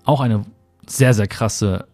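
A man's voice: fairly low pitch, slow pace, a little mellow, soft background music. A man hosting a talk show, recalling a hard time in his life to the listener in a reflective, hesitant way with many fillers and restarts, in a room with the window open in the mountains. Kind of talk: personal storytelling to the listener.

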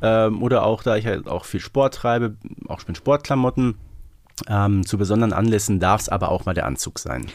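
A man's voice: on the low side, normal speed, no echo, studio quality. A man from Germany co-hosting a podcast in a casual, conversational way. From Herten, Germany. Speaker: podcast co-host. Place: close, dry podcast recording.

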